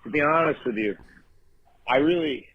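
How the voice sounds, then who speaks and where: Husky caller on a voicemail. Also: male voice, on the high side. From Long Island, New York. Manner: hesitant, halting with repeated restarts. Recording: dull, lo-fi phone voicemail.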